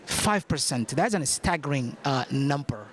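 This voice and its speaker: A man's voice: mid-range voice, lively intonation, a little slow, slight background noise. A man from Somalia speaking as a government policy director on a panel, making his points emphatically and repeating key phrases. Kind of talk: extemporaneous panel remarks.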